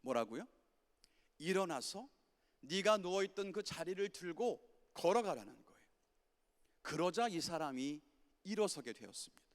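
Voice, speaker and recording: A man preaches a sermon with passion, his voice sitting a little high for a man. He moves between loud urging commands and soft, low asides. The sound carries the long reverb of a church sanctuary. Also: big pitch swings, moderate pace, pauses often. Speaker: pastor.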